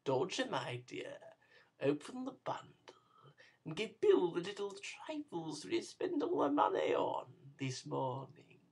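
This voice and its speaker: A man voicing a sly old male fence in a storybook reading, with a hushed, wheedling whisper. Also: high-pitched, very animated, measured pace, creaky, breathy edge, heavily acted.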